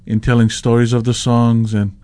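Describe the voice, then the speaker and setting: A man, a slack key guitarist telling stories in a relaxed interview, often restarting his sentences. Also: medium pitch, moderate pace. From Hawaii. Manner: rambling, with many restarts and laughs. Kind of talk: casual storytelling interview.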